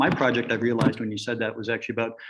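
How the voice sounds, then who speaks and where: A man's voice at medium pitch. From US Midwest, Chicago. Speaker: architecture academic. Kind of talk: conference talk. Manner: fast.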